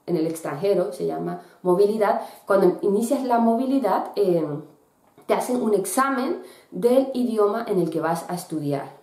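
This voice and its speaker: A woman in her thirties talks to camera in a bright room by a window, pausing often with fillers and restarting her sentences. Her voice is soft and mellow, and the room gives it a noticeable echo. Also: fairly low pitch. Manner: hesitant, many fillers and restarts. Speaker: student vlogger. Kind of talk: casual explanatory vlog.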